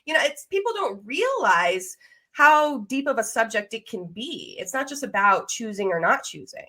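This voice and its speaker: A woman's voice: fairly high pitch, very animated, moderate pace, sharp tone. A woman speaking as a podcast host in a casual, conversational interviewing style.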